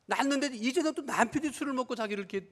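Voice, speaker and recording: Racing along in a very high-pitched voice, a man preaches as pastor in a church sanctuary with a big-room sound. His sermon is a story in which he voices the family members he quotes.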